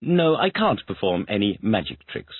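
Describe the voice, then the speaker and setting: A man's voice: fairly low pitch, big pitch swings, normal speed, slightly rough, no room sound. A man taking an English lesson, answering each question by repeating it back in complete sentences. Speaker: English student. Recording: tinny phone-like dry audio.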